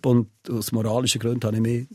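A man with a Swiss German accent, telling animated stories in a casual podcast chat. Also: fast, no echo, studio quality. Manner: animated storytelling, jumps into high excited bursts.

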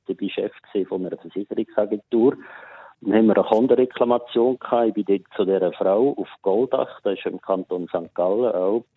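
A middle-aged man with a broad Appenzell Swiss German accent tells a story over a tinny phone line. His voice sits low and sounds a little husky. The line is dry and close, and he talks casually, with fillers. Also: dry recording. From Appenzell Innerrhoden, Switzerland. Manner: anecdotal, relaxed storytelling with fillers. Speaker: radio listener caller.

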